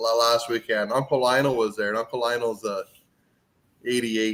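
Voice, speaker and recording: Speaking fairly quickly with an Ontario accent, a man keeps a medium pitch in a flat monotone. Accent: Canadian English (Ontario). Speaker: wood splitter maker and YouTuber. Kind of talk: casual chat. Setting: live stream call.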